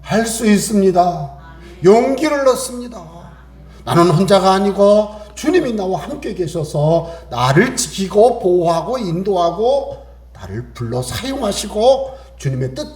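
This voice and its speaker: A man preaches with a high voice that swoops widely from phrase to phrase. He acts out prayers and lively dialogue as he goes, and his voice echoes around the room. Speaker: pastor. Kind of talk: Sunday sermon.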